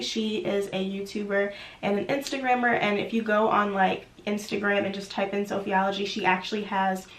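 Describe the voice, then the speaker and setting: A young woman chats to her camera in a loose, rambling way, sprinkling "like" through every sentence. She sounds stuffed up and nasal from being sick. Her voice sits at an ordinary middle pitch and bounces off the walls of an echoey room. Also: a bit bright. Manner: chatty, filler-heavy with frequent "like". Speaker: YouTube vlogger. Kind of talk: chatty vlog talk.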